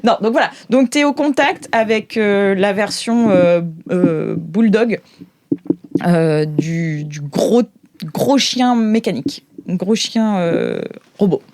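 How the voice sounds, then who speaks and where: A woman's voice: mid-range voice, takes it slowly, a little mellow, a little hiss or hum. A woman running an improvised tabletop game, narrating casually and hesitantly as she thinks aloud. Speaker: game master.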